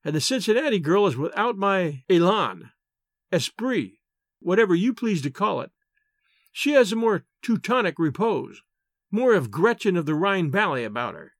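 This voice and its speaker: A man's voice: sits high, sing-song, normal speed, no room sound, studio quality. A man voicing a coquettish, mocking teenage schoolgirl with an arch, melodramatic manner, as in an audiobook. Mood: playfully haughty. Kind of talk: audiobook character dialogue.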